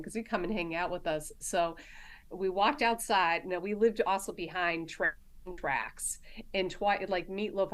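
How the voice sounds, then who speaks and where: Woman, forties, mild Boston accent, guest telling anecdotes, chatty, frequent laughter. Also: on the low side. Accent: Boston, softened by years in Arkansas. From Massachusetts, Boston area. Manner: chatty, laughs often, many restarts. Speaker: guest, nurse practitioner. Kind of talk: casual storytelling chat.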